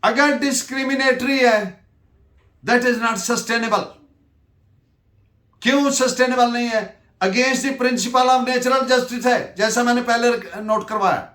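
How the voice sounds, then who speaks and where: Pakistani guy lecturer, really high voice, slow n deliberate, emphatic, echoey room. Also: fairly bright tone. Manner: deliberate and emphatic, switching between Urdu and English. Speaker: law lecturer. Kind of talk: lecture dictating case citations and explaining legal principles.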